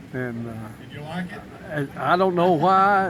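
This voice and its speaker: A man with a high-pitched voice and lively intonation speaks over background music, with audible echo from the room. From Lynch, Harlan County, eastern Kentucky. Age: 80s+. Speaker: local resident. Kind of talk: interview testimony.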